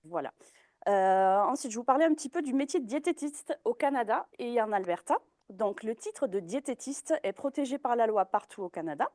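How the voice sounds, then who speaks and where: A woman's voice: on the high side, expressive, fairly quick, darkish tone, no echo. Woman giving a nutrition talk. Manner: hesitant, many fillers and restarts. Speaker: dietitian giving a presentation. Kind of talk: informal talk presentation.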